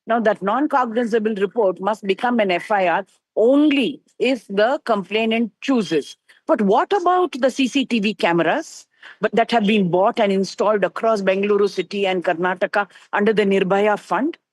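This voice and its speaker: A woman's voice: mid-range voice, normal speed, no echo. Emphatic Indian woman commentator, dry sound. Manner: emphatic, insistent. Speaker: activist commentator, news guest. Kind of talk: opinion in a live news interview.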